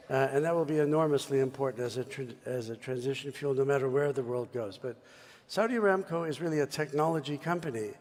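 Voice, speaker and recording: A man's voice: mid-range voice, darkish tone. Man speaking emphatically in a reverberant hall. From United States. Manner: expansive, emphatic speechmaking. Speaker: mining executive panelist. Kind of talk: panel discussion. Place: large conference hall. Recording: long reverb of a conference hall.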